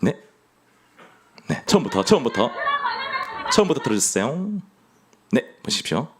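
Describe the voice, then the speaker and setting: A man's voice: mid-range voice, big pitch swings, moderate pace, a crowd in the background, background noise. A young man with a Gyeongsang accent preaching a sermon, playful and joking with his congregation. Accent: Gyeongsang Korean. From Gyeongsang region of Korea.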